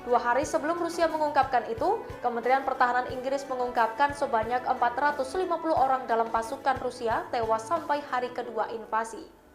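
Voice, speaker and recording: A woman's voice: high-pitched, brisk. A woman with an Indonesian accent narrating a scripted news voice-over. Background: faint background music.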